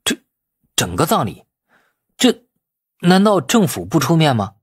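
A man's voice: on the high side, huge pitch swings, measured pace, slightly rough, pitched above the performer's own voice, heavily acted. A man voicing a shrewd, eager young man in an urban audiobook, deferential yet self-assured. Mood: startled.

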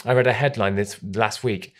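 A man with a British accent preaching an online church sermon in an earnest, measured way, slowing down on key phrases. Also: fairly low pitch, fairly even intonation, fairly bright tone. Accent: British English. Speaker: pastor.

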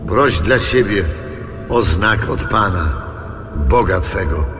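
Deep, echoing, commanding voice of God. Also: male voice, animated, slow. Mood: solemn, commanding. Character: God, commanding divine male voice addressing a king. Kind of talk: biblical radio drama. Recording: long reverberant echo under music.

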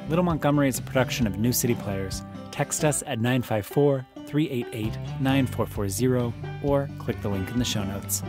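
A male announcer delivers scripted credits in a mid-pitched voice. Clear guitar music plays underneath.

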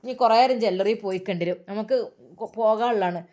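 A woman's voice: medium pitch, mellow, natural voice. A woman voicing an elderly Muslim mother who hurries and dotes on her family. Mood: fussing. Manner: hurried, fussing, affectionate.

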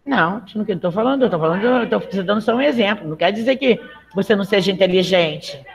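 A woman's voice: mid-range voice, expressive, quick pace, vocal fry. A woman teaching a live online Portuguese lesson, chatty and encouraging, often checking in with her students.

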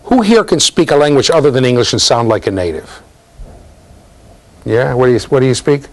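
A middle-aged man with a mid-range voice, speaking a little fast, gives an interactive university lecture and quizzes his students as he goes. He is lively and gestures while talking, from an office with bookshelves that is linked to a classroom.

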